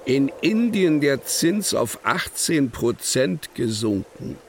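A defiant, brooding prisoner-poet in a literary radio play. He declaims very slowly and solemnly, with weighty pauses and a creaky voice. The delivery rises and falls widely, incantatory and grave. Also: mid-range voice, big pitch swings, a little hiss or hum. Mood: bitter, declamatory. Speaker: actor reciting poetry in a radio play. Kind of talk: German literary radio play, dramatic poetic recitation.

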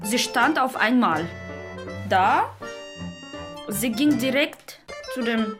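High-voiced woman, slow and simple storytelling. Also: animated, music in the background. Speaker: interviewee retelling a story. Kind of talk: personal recollection and simple storytelling.

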